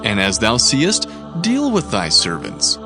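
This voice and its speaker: A man's voice: medium pitch, wildly swooping pitch, takes it slowly, music in the background, full character voice. A man playing a humble, earnest young captive in a dramatized scripture reading, making polite entreaties. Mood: earnest, respectful.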